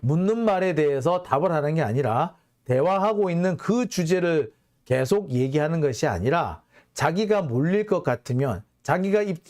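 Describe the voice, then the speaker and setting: A middle-aged man hosting a political commentary, talking bluntly and with open scorn. His pitch sits a bit high for a man and swings widely, rising sharply for sarcastic asides. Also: a little mellow. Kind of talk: opinionated political monologue.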